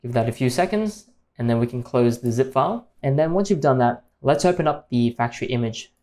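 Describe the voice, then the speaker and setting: A man hosting a tech tutorial, calmly explaining each step in a screen-recorded voice-over. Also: mid-range voice, a little fast.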